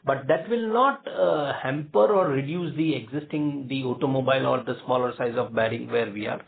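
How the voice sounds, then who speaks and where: An Indian man, a company executive, answering questions on an earnings call in halting phrases with repeated fillers. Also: mid-range voice, gravelly. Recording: narrow, tinny phone conference line.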